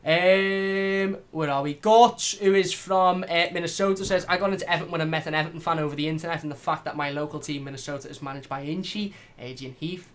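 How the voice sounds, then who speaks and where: A man hosting a fan channel, chatting casually and reading out live comments, blunt and animated. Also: fairly high pitch, brisk, hardly any pauses. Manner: animated, blunt, swears lightly.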